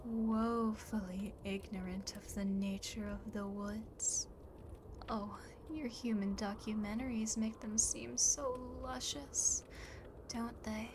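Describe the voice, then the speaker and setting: A woman voicing a lonely, possessive female demon in an ASMR roleplay, softly, often whispering, with teasing, smug condescension, on an amateur home mic. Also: a little high. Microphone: close home microphone, not binaural. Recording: noisy amateur home microphone recording.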